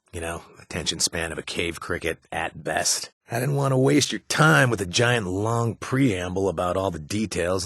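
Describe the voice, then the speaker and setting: In a full character performance, a man voices a wry, sarcastic wasteland ally in a video game, worried for his brother. His voice sits low, a bit bright and slightly rough, with dry humor, frequent hesitations, and no room sound.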